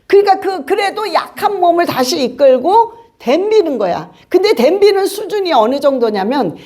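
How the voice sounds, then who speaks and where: A woman pastor preaching a sermon in an animated, colloquial way, acting out voices as she goes. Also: very high-pitched, normal speed. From Korea. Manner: animated, colloquial, acts out voices of spirits and doubters.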